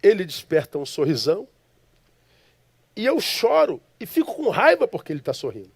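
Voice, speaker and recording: Impassioned high-voiced preacher from Rio. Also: male voice, huge pitch swings, normal speed, creaky, breathy edge, no room sound. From Brazil, Rio de Janeiro. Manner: dramatic, impassioned, stammers when moved. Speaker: pastor. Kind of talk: emotional sermon storytelling.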